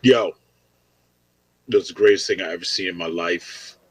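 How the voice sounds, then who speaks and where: A man putting on an excitable, slangy male talent-show judge during an improv show over a video call. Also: deep voice, moderate pace, breathy edge, poor audio. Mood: hyped. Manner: excitable slangy hype, exclaiming.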